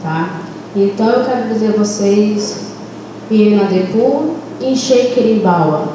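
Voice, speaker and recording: Earnest woman in an echoey hall. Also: medium pitch. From Brazilian Amazon, Baré people. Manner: earnest, halting, fillers, speeds up when stirred. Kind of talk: impassioned panel talk. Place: lecture room. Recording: echoey hall from far off, noisy.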